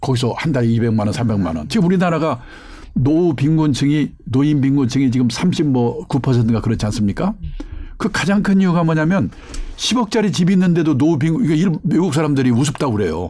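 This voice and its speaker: A man at a fairly quick pace, fairly high in pitch, with very wide pitch swings and noticeable background noise. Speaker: pension and retirement finance expert. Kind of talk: interview.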